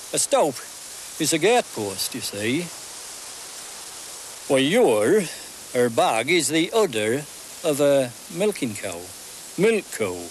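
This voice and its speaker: In a strong Yorkshire accent, the speaker talks very slowly with long, frequent pauses and very wide pitch swings. Noticeable background noise is present. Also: man, fairly high pitch for a man. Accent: strong, old-fashioned Yorkshire dialect. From Yorkshire, near York. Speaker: farmer. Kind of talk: rural dialect, uses old Norse-derived words.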